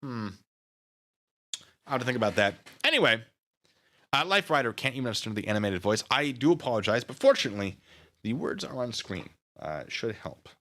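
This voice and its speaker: A man's voice: mid-range voice, very animated, brisk, a bit bright. A man live streaming, rambling casually with mock-petty sarcasm while reading chat.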